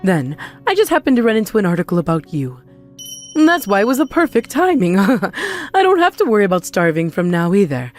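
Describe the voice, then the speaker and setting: A woman's voice: medium pitch, sing-song, a little fast, close to an everyday voice. Woman acting a scheming, wheedling middle-aged mother. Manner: wheedling, theatrical, gloating. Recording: voice over background music.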